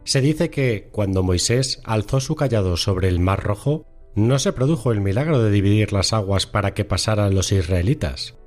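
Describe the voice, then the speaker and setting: A man reading a short moral story aloud on a radio program in a measured storytelling manner. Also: fairly low pitch, lively intonation, a little mellow, faint music behind. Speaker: story reader. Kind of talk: scripted narration.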